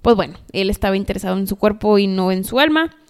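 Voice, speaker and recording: A woman's voice: medium pitch, lively intonation, fast talker, clean tone. A woman co-hosting a podcast, retelling history as chatty, dramatic gossip with asides. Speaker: podcast co-host. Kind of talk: casual storytelling chat.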